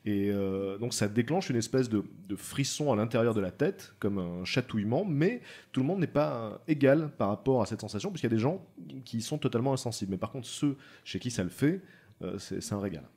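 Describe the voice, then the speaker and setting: A man on a talk show panel explaining casually, somewhat halting as he searches for his words. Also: mid-range voice, expressive, mellow.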